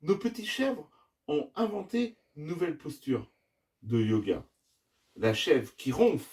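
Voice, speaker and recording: A man's voice: fairly high pitch, a little slow, far from the mic. A man doing an eager young rescue pup. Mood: amazed. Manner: wide-eyed, excited.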